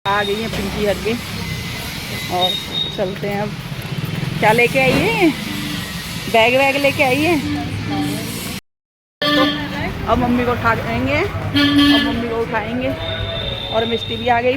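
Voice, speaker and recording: A young woman chatting casually as she vlogs, her throat a little sore, with soft laughs and rambling asides. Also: on the high side, takes it slowly, long pauses, loud music behind the voice, poor audio. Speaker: vlogger. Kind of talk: casual vlog narration and voice-over. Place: outdoors by a road, then voice-over.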